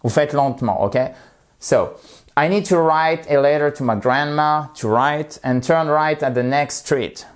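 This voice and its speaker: A man teaching an online pronunciation lesson, patiently repeating example words slowly and checking in with his viewers. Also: on the high side. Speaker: English teacher.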